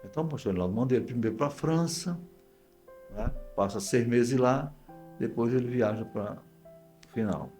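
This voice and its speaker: An older male pastor with a Northeastern Brazilian accent tells stories in a mid-pitched voice. He repeats himself and voices the dialogue of people in his anecdotes, with music playing behind him. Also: normal speed, darkish tone. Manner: anecdotal, acts out quoted dialogue, repeats phrases. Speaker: guest pastor. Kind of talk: conversational storytelling interview.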